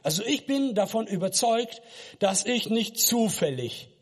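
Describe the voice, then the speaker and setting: An earnest man with a fairly high voice gives his personal faith testimony, turning often to the listener with direct questions. His words ring out with a long reverb trailing behind them. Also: lively intonation, measured pace. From Kazakhstan. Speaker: missionary preacher.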